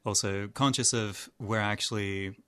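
A man from Armenia talks about his music on a community radio show. His low, smooth voice moves slowly and hesitantly, full of ums and restarts. He sounds thoughtful, as if feeling his way through each idea. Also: fairly even intonation, fairly bright tone. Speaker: musician guest. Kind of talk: casual radio interview.

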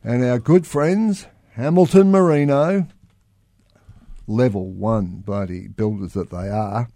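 A man's voice: mid-range voice, takes it slowly, dark tone, no echo, clean studio sound. A man with an Australian accent hosting a casual podcast chat, blunt and swearing casually. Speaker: podcast host.

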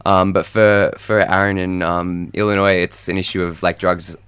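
A man's voice: deep voice, flat delivery, normal speed, a bit bright, clear, resonant tone. A young Australian man giving a casual radio interview, explaining things in a rambling, tentative way. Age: young adult. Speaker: interview guest, student group representative. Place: radio studio.

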